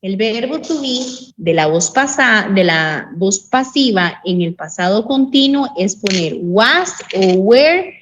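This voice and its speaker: A woman teaching an English grammar lesson in an online class, patiently repeating examples and saying English phrases slowly and carefully. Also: mid-range voice, lively intonation. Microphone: computer mic on a video call. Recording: dull lo-fi call audio, faint noise.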